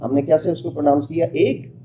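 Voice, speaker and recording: A male teacher with a slightly higher voice runs an interactive pronunciation lesson. He sounds out single letters with emphasis and keeps quizzing his listener. The sound is echoey with a steady hiss of background noise. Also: measured pace.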